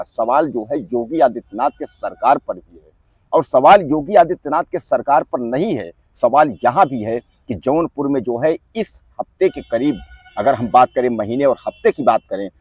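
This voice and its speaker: Husky-voiced male news commentator. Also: medium pitch, darkish tone, no room sound. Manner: addresses viewers as friends; keeps inserting the filler "jo hai". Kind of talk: direct-to-viewer news commentary.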